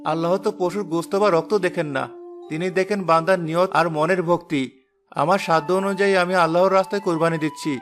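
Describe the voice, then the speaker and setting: A modest, faithful father in an animated village tale, played by a man, explaining his beliefs with steady earnestness. He talks fast, in a fairly high voice. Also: faint music behind. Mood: earnest. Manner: earnest, gently preaching. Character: poor, devout village father, humble and calm.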